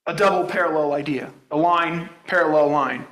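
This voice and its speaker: Bright-voiced man teaching in an echoey church. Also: a little high, moderate pace. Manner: conversational Bible teaching with frequent restarts and questions to the congregation. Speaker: pastor. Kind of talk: sermon.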